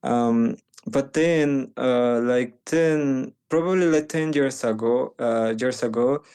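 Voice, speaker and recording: Slow, halting Panamanian man. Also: medium pitch, a little mellow, clean tone. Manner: halting, many restarts and fillers. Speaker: guest, medical missionary. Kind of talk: conversational interview.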